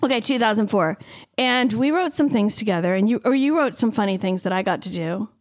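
A woman's voice: medium pitch, expressive, brisk. A woman co-hosting a podcast, chatting casually with frequent laughter and rambling, self-interrupting sentences. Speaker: podcast co-host. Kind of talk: casual chat.

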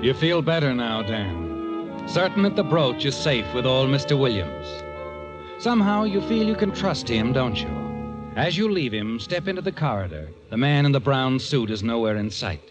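A man's voice: medium pitch, big pitch swings, moderate pace, natural voice. A man acting an ominous, taunting American narrator of an old radio thriller. His knowing delivery rises and falls dramatically over prominent music, on a dull vintage recording. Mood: knowing, insinuating. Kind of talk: 1940s radio suspense narration, second person.

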